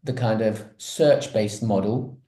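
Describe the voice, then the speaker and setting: A man's voice: fairly low pitch, slow pace, warm tone. A man talking casually on a podcast, explaining ideas in a loose, conversational way. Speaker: podcast participant from a betting tech company. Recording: roomy, echoing sound.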